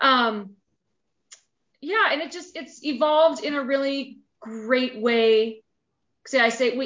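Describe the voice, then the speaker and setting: A loud woman with an American accent, high-pitched, very slow, with ordinary pitch variation and long, frequent pauses. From eastern Montana, US. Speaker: dance fitness instructor. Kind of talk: casual interview chat. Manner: animated.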